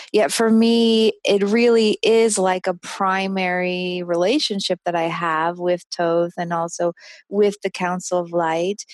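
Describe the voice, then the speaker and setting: In a dry, close sound with no echo, a woman with a plain, everyday voice speaks at a medium pitch and a fairly slow pace, with fairly even intonation and hardly any pauses. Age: 40s. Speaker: author and channeler. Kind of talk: interview.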